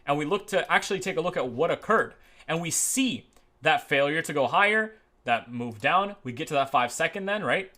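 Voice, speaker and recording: A man teaching trading as he walks through charts on his screen, tagging his points with "right?" and moving between quick and slow stretches. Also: fairly high pitch, lively intonation, bright, forceful tone. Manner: repeats "right?" as a tag, talks through live charts; uneven pace, speeds up and slows down. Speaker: trading educator. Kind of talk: screen-share chart walkthrough.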